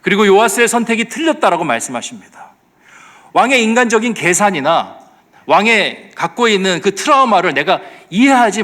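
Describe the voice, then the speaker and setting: A man preaching a sermon as pastor at a midweek church service, with emphatic surges and drops in loudness. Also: high voice.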